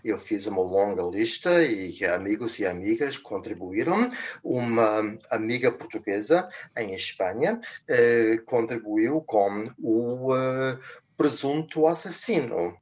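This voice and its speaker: Brief: older man, unhurried and halting, gropes for each word. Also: mid-range voice, expressive. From Germany. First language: German. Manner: deliberate, searching for words with frequent pauses. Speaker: guest, journalist. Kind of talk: radio interview chat.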